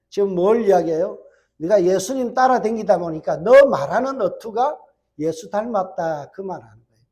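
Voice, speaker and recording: Fast-talking high-voiced pastor with Gyeongsang accent. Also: male voice. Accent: Gyeongsang Korean. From Gyeongsang, South Korea. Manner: asks the congregation rhetorical questions. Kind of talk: sermon.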